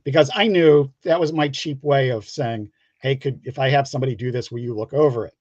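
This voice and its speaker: A middle-aged man from the Pittsburgh area in the United States, chatting casually as a guest and telling rambling, halting anecdotes. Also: mid-range voice, a little mellow. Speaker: guest comic book creator. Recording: dull lo-fi, roomy call audio.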